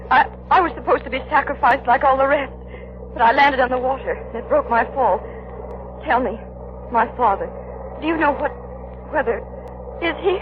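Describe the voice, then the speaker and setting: A woman's voice: high-pitched, lightly acted. An actress playing a frightened young woman in a 1930s radio drama, earnest and breathless, eager to help. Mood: pleading. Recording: noisy, muffled 1930s radio recording.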